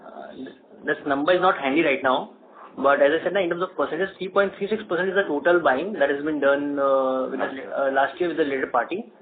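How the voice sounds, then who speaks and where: A man's voice: a little high, fairly even intonation, fairly quick. A man with an Indian accent, a company executive answering financial questions on a telephone conference call. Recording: noisy narrow phone line.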